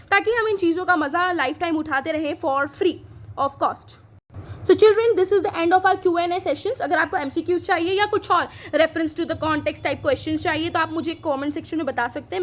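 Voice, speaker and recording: A woman teacher with an Indian accent, explaining a lesson in Hindi and reading answers out slowly in English. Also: very high voice, a little hiss or hum. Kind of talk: classroom lesson.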